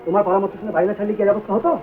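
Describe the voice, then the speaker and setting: An actor playing an excitable young husband who talks in quick, fussy exclamations, in a vintage film drama. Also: male voice, high-pitched, close to an everyday voice. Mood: excited. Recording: tinny lo-fi old film sound.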